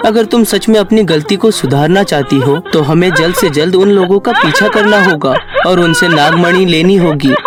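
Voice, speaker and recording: A man voicing a calm middle-aged serpent uncle in a cartoon story, measured and explanatory. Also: fairly high pitch, close to an everyday voice.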